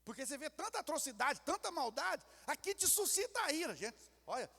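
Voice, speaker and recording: High gravelly-voiced Brazilian pastor preaching. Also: male voice, big pitch swings, brisk, pushed and bright. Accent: Brazilian Portuguese. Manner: acts out quarrels in character voices. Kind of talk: sermon. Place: church sanctuary. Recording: reverberant church hall.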